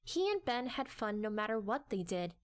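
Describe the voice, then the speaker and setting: A woman's voice: medium pitch, big pitch swings, normal speed. A woman reading scripted story narration in a dramatic audiobook style.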